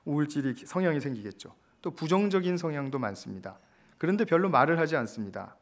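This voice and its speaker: A man preaching a sermon, explaining scripture with pauses, fillers and acted-out quotes. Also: a little high, lively intonation. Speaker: pastor.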